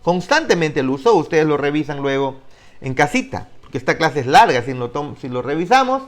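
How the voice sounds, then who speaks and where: A man's voice: a little high, very animated, a little fast. A man teaching an online discipleship class, emphatic and putting questions to his students. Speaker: Bible teacher.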